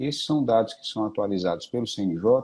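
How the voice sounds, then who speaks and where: A man talks in a fairly low pitch, keeping to a moderate pace. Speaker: accountant and forensic expert. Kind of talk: live webinar discussion. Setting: online live stream. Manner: verbose, detailed.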